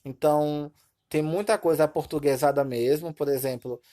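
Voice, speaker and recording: A woman's voice: low voice, steady tone, normal speed, warm tone. A woman from Brazil teaching a recorded Portuguese lesson, explaining step by step and often checking in with her students. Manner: explanatory, repeats points with "tá bom?" checks.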